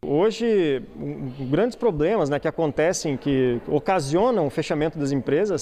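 A man's voice: fairly high pitch, mellow. Man explaining business management at an event. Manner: explanatory, with fillers like "né". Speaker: business association director. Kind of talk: news interview. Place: indoor event hall before a sponsor wall. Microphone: handheld reporter mic.

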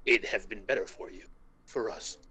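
A man voicing a hurt, bitter adult male fox, pleading with halting intensity in an amateur comic reading. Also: on the low side, pushed and bright, husky, voice pushed down. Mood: bitter, resigned.

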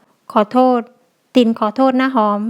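A woman reading the lines of a remorseful, devoted young husband in an audio novel, speaking softly and pleadingly. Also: unhurried, natural voice.

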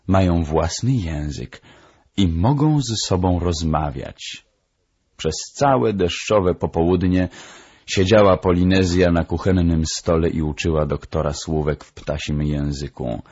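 A man narrates a children's storybook in a very deep, slow, husky voice. He reads steadily and with measure, and the recording is dull and lo-fi. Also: darkish tone, no room sound. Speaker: audiobook reader.

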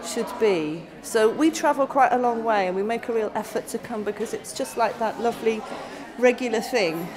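A woman speaking gently and from the heart about what church gives her. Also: a little high, moderate pace, few pauses, a crowd in the background. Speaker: churchgoer, mother. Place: church hall.

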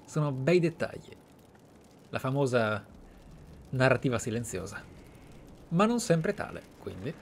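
A man's voice: mid-range voice, very animated, unhurried, long pauses, a little hiss or hum. A man with an Italian accent hosting a roleplay game playthrough, commentating in a reflective, conversational way. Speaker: host, game streamer. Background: game music.

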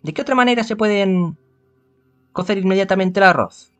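A man's voice: high voice, a little fast, fairly bright tone, lo-fi sound, voice pushed up. A man voicing a flustered, haughty moonfolk woman scientist for a visual novel. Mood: indignant. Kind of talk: improvised visual novel character voice.

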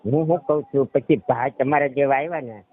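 Over a tinny narrowband telephone recording with a noisy background, a middle-aged man with a Saurashtra Gujarati accent gives a rambling personal account. His mid-range voice runs a little fast, and he keeps confirming the listener understands him.

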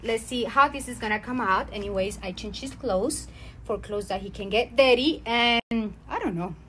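A young mother vlogs from her home in a high, unhurried voice. She slips between chatty asides to her viewers and sweet baby talk. A faint hiss sits under the home recording. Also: a bit bright. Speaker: family vlogger, mother. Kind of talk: casual bilingual vlog talk to camera and baby. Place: at home, indoors.

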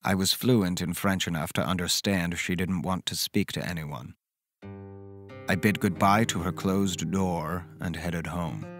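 An actor playing a caring, reflective man who recounts eerie events in measured, dramatic first-person horror narration. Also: sits low, dry recording. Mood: uneasy, reflective. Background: music underneath.

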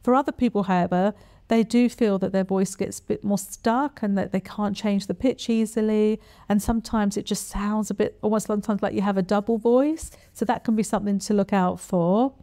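A middle-aged woman giving an explanatory talk to camera as a specialist, in a measured, plain-spoken and instructive manner. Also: medium pitch, steady tone, warm tone. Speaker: voice specialist presenter. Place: small quiet furnished room, indoors. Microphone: lapel mic.

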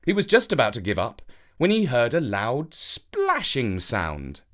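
A woman narrating a children's fairytale as an expressive storyteller. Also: a bass voice, measured pace.

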